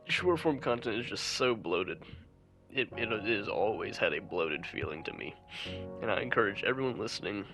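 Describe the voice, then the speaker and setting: A young man with a stuffy, nasal voice, sniffling as he gives an earnest, measured reflective monologue, with some restarts. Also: lowish voice, vocal fry. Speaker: channel host.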